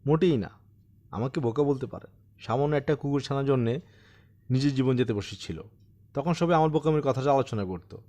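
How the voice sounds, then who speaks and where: A man's voice: medium pitch, fairly quick, long pauses, warm tone, lightly acted. A man voicing a troubled man of sixty-seven in an audiobook, earnest, self-deprecating and insistent as he recounts something eerie. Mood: rueful, matter-of-fact. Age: 60s. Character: troubled 67-year-old man recounting his eerie haunting. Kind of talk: dramatised audiobook storytelling.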